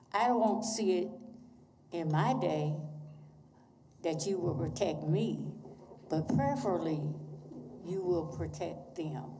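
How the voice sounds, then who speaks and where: Over noticeable background noise and audible room echo, a woman speaks at a very slow pace. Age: 80s+. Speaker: public commenter at city council. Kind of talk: public comment speech. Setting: city council chamber.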